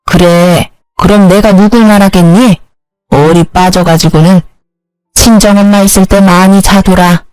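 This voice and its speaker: A woman's voice: medium pitch, fairly even intonation, unhurried, a little mellow, clean tone, no echo, natural voice, rough recording. A woman voicing a blunt older mother-in-law who speaks in brusque questions.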